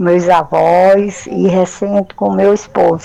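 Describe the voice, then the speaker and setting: There is noticeable background noise in this clip. Over it, a woman talks. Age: 60s. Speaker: radio listener caller. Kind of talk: recorded listener question. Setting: recorded audio message.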